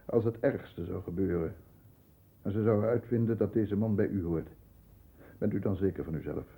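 An actor playing a composed, protective lawyer in a 1960s radio play, speaking formal, measured Netherlands Dutch. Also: male voice, fairly low pitch, mellow, breathy edge. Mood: controlled, probing. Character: composed middle-class lawyer, protective older brother, narrating. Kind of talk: 1960s Dutch radio play, first-person narration and dialogue.

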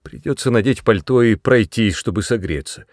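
Narrator plays a brusque, self-important young brother, loud and sharp; dry close read. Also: male voice, on the low side, animated, moderate pace, no room sound, pitched above the performer's own voice. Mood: gruff. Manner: sharp, snapping, louder than the narration. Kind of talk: audiobook character voice.

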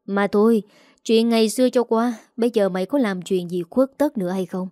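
A woman's voice: mid-range voice, brisk, dark tone, no room sound, studio quality, natural voice. A woman reading a story aloud and voicing a drunk, jealous husband who sneers and accuses his wife. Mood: bitter, accusing. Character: drunk jealous bullying husband, middle-aged man.

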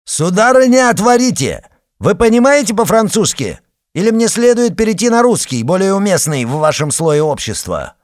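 A man's voice: a little high, lively intonation, brisk, no echo, studio quality, voice pushed up, natural voice. A man voicing a hot-headed, arrogant young nobleman who sneers and barks orders. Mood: shouting. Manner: sneering, barking commands. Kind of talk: audiobook character voice.

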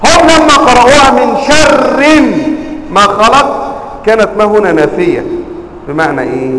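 A man with an Egyptian accent teaching a religious lesson, quizzing his listeners and stressing words with sharp rises. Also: very high-pitched, moderate pace, roomy sound, in a large hall, a little hiss or hum, poor audio. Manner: quizzes the audience, emphatic rising stresses. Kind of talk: classroom lesson.

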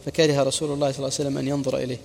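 A man's voice: medium pitch, monotone, racing, gravelly, darkish tone, breathy edge, in a large hall. A man preacher narrating a religious history lesson, recounting reports and quoted sayings with brief explaining asides.

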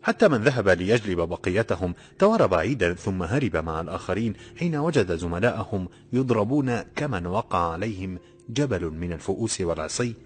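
A man narrating a novel in a steady, measured storytelling voice. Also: deep voice, soft background music. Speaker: audiobook narrator. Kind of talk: scripted narration.

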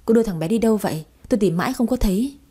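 A woman voicing a brisk female hospital nurse who scolds and gives instructions, in an audio story. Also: mid-range voice, expressive, warm tone, breathy edge.

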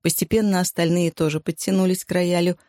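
A woman's voice: lowish voice, little pitch movement, fairly quick, warm tone, no echo. Woman reading a novel, dry close sound. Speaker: audiobook reader. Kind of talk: scripted narration.

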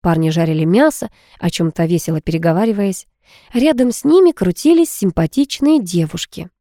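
A woman narrating a first-person story aloud, lively and teasing, with expressive dialogue. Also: on the low side, fairly quick, dry recording, clean studio sound. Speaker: audiobook narrator.

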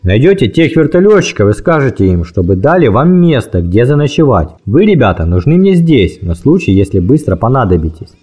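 A man voicing a burly, commanding army colonel with a deep voice who gives curt orders. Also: very animated, a little fast, few pauses, mellow, breathy edge, soft background music.

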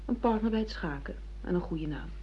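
A woman's voice: lowish voice, expressive, a little fast, slight background noise, lightly acted. An actress playing a cool, pragmatic woman, matter-of-fact and self-justifying, in a Dutch radio play. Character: cool, calculating woman, pragmatic sham lover. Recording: dull lo-fi radio play recording.

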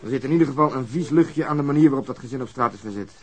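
An actor playing a blunt, assertive police detective reasoning through a case in a naturalistic radio drama. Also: male voice, medium pitch, very fast, breathy edge, close to an everyday voice. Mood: convinced, indignant.

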